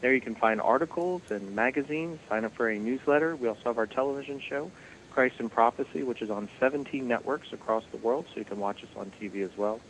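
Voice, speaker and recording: A man's voice: medium pitch, quick pace, a bit bright, slight background noise, rough recording. A man, a guest on a Christian radio show, talking in a friendly way and laughing easily. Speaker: ministry guest. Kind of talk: radio interview conversation.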